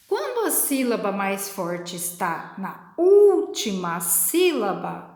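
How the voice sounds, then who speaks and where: A woman teacher from Brazil, slowly and patiently explaining a lesson to children step by step. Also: high voice, roomy sound. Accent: Brazilian Portuguese.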